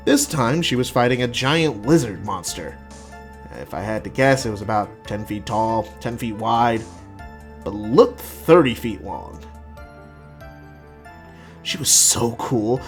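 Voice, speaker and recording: A man giving an expressive, casual dramatic reading of his own first-person writing. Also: medium pitch. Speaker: writer reading own work.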